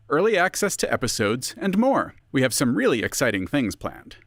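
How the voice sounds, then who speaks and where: Animated higher-pitched man announcing. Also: dry recording, studio quality. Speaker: festival announcer. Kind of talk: scripted promotional appeal.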